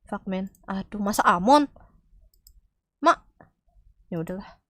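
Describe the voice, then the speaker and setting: A woman game streamer with a cold and a slightly nasal, stuffy voice, chatting casually and calling out to teammates with loud exclamations and swearing. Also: mid-range voice, lively intonation, takes it slowly, no echo. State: has a cold. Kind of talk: casual gaming stream chat.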